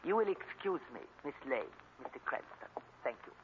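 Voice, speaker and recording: An actor playing a polite, guarded Hindu professor in a formal, stilted 1940s radio style. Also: male voice, on the high side, sing-song, moderate pace. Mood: guarded, courteous. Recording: tinny, noisy 1940s radio recording.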